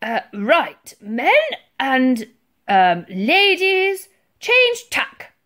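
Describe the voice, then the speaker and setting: A woman voicing a pompous, blustering old male ship's Admiral in a children's story, booming and spluttering. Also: huge pitch swings, unhurried, full character voice. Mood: barking orders.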